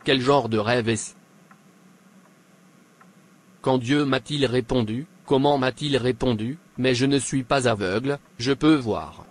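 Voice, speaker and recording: A man's voice: medium pitch, slow pace, long pauses. A man playing a desperate, proud, hungry jobless man who pleads and complains in a dubbed Christian cartoon. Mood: confused. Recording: clear background noise.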